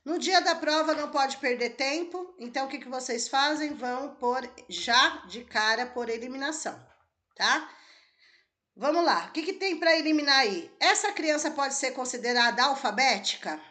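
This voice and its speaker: A woman's voice: high-pitched, animated, moderate pace, sharp tone. A woman teacher, walking students through an exam question step by step and asking them questions. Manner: explains step by step, asks the class questions. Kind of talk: exam-prep lesson walkthrough.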